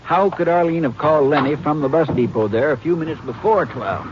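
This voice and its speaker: A man's voice: fairly high pitch, a little fast, natural voice. A man playing a folksy, skeptical small-town Texas sheriff in an American 1950s radio drama. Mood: puzzled. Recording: noisy, dull vintage radio recording.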